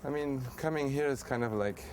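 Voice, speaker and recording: A man's voice: mid-range voice, brisk, a little mellow, a little hiss or hum. An American man talking as an interview guest in a casual, rambling way, with many fillers and restarts. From United States.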